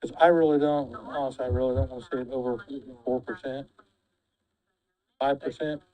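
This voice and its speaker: Brief: male commissioner, smooth clear voice, blunt and loud. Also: mid-range voice, steady tone, brisk, poor audio. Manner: loud and blunt, says he has a loud voice. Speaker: county commissioner. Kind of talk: formal meeting discussion.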